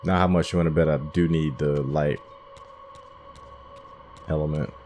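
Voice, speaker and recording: A man's voice: very deep voice, steady tone, measured pace, darkish tone, soft background music. A man giving casual commentary as he plays a video game, musing and thinking aloud as he works things out. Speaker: gamer hosting a playthrough.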